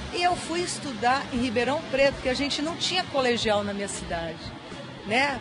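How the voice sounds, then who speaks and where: High female voice at a fairly quick pace with very wide pitch swings, amid audible room echo and noticeable background noise. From interior of São Paulo state, Brazil. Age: 60s. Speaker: children's book author. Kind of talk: interview, personal storytelling.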